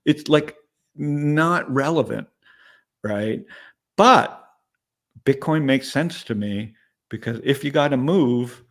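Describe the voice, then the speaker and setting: A man's voice: mid-range voice, lively intonation, slow, pauses often. A man in his late fifties, an investor giving a candid, rambling interview, often checking in with "right?". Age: 50s. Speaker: startup investor and interview guest. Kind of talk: casual interview conversation.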